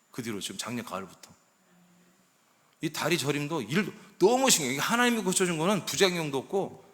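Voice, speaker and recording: A man in his sixties preaching a sermon as pastor. He talks in a conversational, storytelling way and swings between loud emphasis and hushed asides. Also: mid-range voice. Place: church sanctuary. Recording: long church hall reverb.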